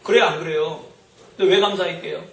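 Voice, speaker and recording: High-voiced pastor preaching in an echoey hall. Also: male voice, fairly even intonation, quick pace, gravelly, a bit bright. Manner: storytelling, acts out quoted voices, asks the congregation questions. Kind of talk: sermon. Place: church sanctuary. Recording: roomy church hall, mic at a distance.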